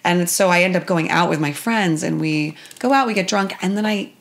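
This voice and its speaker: Woman guest in casual chat, slightly raspy and gravelly, talks in thoughtful, filler-laden runs. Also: lowish voice, fairly quick. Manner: chatty, reflective, many fillers. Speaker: guest, actress. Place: kitchen.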